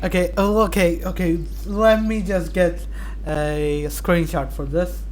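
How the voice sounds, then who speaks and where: A man's voice: sits high, steady tone, slow, darkish tone, slight background noise. A man giving casual gameplay commentary, muttering short offhand asides as he plays. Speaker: gaming streamer.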